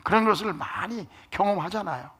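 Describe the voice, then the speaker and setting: Middle-aged male pastor, sermon delivery: husky, gravelly, bright tone, trades call-and-response with the pews. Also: sits high, brisk. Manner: asks the congregation questions, calls for amens; drops to near-whispers for emphasis.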